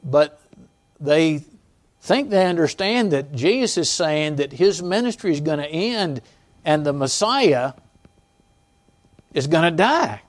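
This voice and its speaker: Halting conversational male pastor preaching. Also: fairly high pitch, sing-song. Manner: conversational, halting with restarts and asides to the congregation; chuckles between points. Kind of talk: sermon. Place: church sanctuary.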